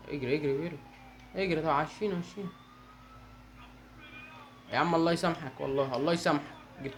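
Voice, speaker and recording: A young man with an Egyptian Arabic accent giving excitable gameplay commentary and talking to his viewers. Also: on the high side, a little hiss or hum. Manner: fast, excitable, talks to viewers. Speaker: gaming channel host.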